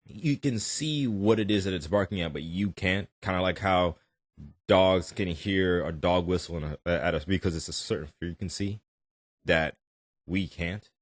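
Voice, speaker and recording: Low-voiced man thinking aloud, dry sound. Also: a little slow, dry recording. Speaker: reaction video host. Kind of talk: casual reaction commentary.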